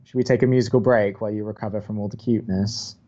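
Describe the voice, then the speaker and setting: A man acting as a young college radio co-host, dry, skeptical and sarcastic, with halting delivery in an audio drama. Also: on the low side, fairly even intonation, dark tone, highs cut off, lightly acted. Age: young adult. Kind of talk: naturalistic audio drama banter.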